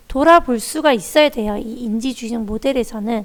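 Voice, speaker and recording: Pitch varies in an ordinary way as the speaker talks at a moderate pace. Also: woman. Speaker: university lecturer. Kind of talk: recorded lecture.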